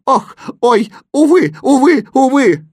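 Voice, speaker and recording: A man voicing a fretful, overexcitable exclamation mark creature in a storybook audiobook, with high, loud, overwrought cries. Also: big pitch swings, slow pace, slightly rough, no echo, studio quality, exaggerated voice. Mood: lamenting.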